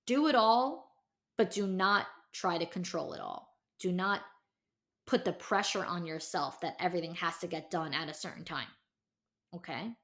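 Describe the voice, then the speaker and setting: A woman's voice: fairly low pitch, sing-song, normal speed, a bit bright. Candid thirty-year-old woman podcaster. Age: 30s. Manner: candid, chatty, sprinkled with "like" and "you know"; emphatic, encouraging direct address to listeners. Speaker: podcast host. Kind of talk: casual solo podcast pep talk.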